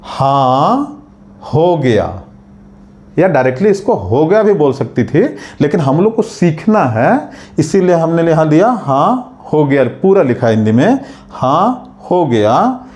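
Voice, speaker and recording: A man teaching a spoken language lesson, saying each phrase slowly and carefully and repeating it for learners. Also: fairly high pitch, very animated, a little mellow.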